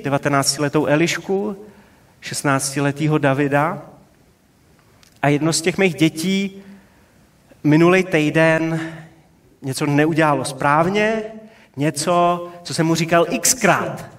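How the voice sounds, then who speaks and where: A man in his forties preaching a sermon in a relaxed, conversational way, asking rhetorical questions. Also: on the high side, pauses often.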